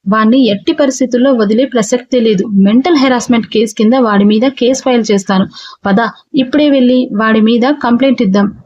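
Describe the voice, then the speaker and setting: A man's voice: very high voice, brisk, darkish tone, lo-fi sound. A woman voicing a protective young man who speaks earnestly and heatedly in a storybook reading. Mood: indignant, protective.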